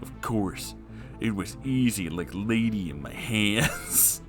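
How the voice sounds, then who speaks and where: A haughty cartoon cat speaks low and slow, every word stern and pompous, as a man puts him on. He sounds puffed up and self-important. Faint music plays underneath. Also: lively intonation.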